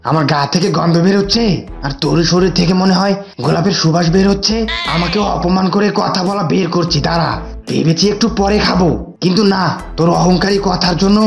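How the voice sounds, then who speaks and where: A man voicing a hungry, easily offended gorilla bully in a cartoon, boastful and threatening with a gravelly voice. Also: high-pitched, fairly even intonation, a little fast. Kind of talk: cartoon voice acting. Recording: roomy echo, loud music behind.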